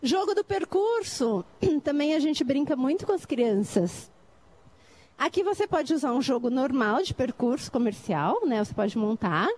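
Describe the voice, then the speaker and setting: A woman's voice: sits high, very animated, normal speed, darkish tone. A middle-aged woman from Brazil on a debate panel, explaining literacy activities and often checking whether listeners follow. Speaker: lecturer on literacy teaching.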